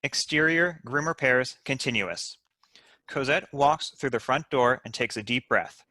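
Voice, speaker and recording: A man narrates screenplay action and scene headings. His voice is bright and a little low, recorded very dry and close. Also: a little slow, no echo. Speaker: stage-direction narrator. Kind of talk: scripted narration of screenplay directions.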